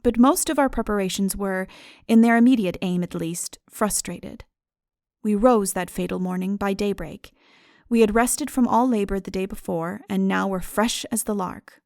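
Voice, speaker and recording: Female narrator for classic fiction: measured, formal delivery, middle-pitched voice with gravelly fry, very dry sound. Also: a little mellow, no echo. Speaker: audiobook narrator. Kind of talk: dramatic literary audiobook reading.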